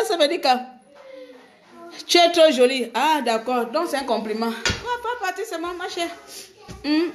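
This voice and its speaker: A middle-aged woman from Gabon, chatting casually on a live stream, teasing her viewers and laughing often. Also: high voice.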